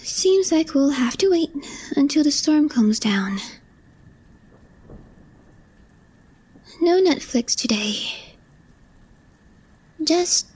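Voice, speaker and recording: Woman acting as calm reserved girlfriend, high mellow voice, soft and half-whispered, affectionate, intimate ASMR roleplay. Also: slow pace. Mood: quiet, tender. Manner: soft, understated, often dropping to a whisper.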